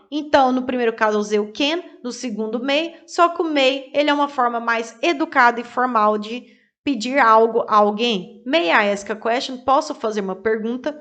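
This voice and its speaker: A woman teaching English grammar to Portuguese speakers, reading example sentences slowly and then translating each one. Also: a little high, fairly bright tone. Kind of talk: explaining grammar to learners.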